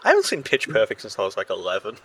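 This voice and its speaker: A man's voice: on the low side, huge pitch swings, very fast, a bit bright, breathy edge. A man co-hosting a casual podcast chat, rambling, swearing freely and laughing often. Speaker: podcast co-host.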